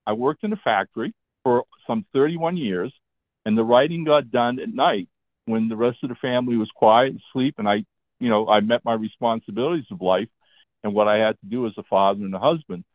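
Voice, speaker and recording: A chatty man in his seventies tells long stories about his career, pausing now and then to ask "okay?" or "all right?" His voice sits at an ordinary pitch and comes through a thin, phone-like line with a dry, close sound. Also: dry recording. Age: 70s. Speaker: guest, comic book writer. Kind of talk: casual interview storytelling.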